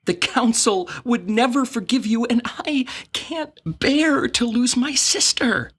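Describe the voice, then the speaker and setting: A woman's voice: a little high, takes it slowly, slightly rough. A woman playing an anxious, exasperated young man, a council scribe and protective brother, in a fantasy audio drama with formal, fretful delivery. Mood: pleading.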